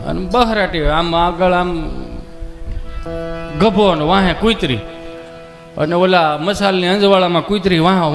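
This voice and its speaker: A man's voice: sits high, fairly bright tone. A man telling folk jokes as a comedian, acting out villagers in shifting voices. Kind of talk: live folk joke storytelling.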